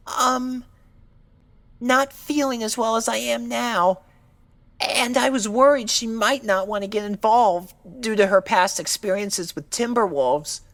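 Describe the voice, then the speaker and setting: Timid injured cartoon pony mare: high, slow, hesitant, anxious audio-story voice. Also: female voice, a bit bright. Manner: hesitant, halting, pleading. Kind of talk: dramatic audio story acting.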